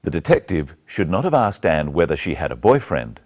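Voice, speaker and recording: A middle-aged man teaching English in a deep voice, with lively rises and falls in pitch. He speaks slowly and very clearly, like a scripted lesson. A lapel mic keeps him close. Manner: slow, clear, carefully spoken. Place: small studio set, indoors.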